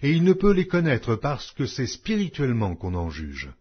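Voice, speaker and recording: A low male voice, somewhat husky, delivers a solemn scripture reading. His phrases rise and fall widely, set apart by deliberate pauses in a measured, declamatory manner. The audio is slightly dull. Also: wildly swooping pitch.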